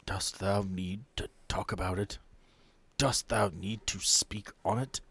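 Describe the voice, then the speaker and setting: A man's voice: low voice, steady tone, takes it slowly, a bit bright, breathy edge, pitched below the performer's own voice, heavily acted. A man voicing an earnest knight from the olden days, speaking in solemn, archaic, formal phrases for a tabletop game. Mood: solemn, confiding. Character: earnest archaic knight from olden realm, displeased by modern life.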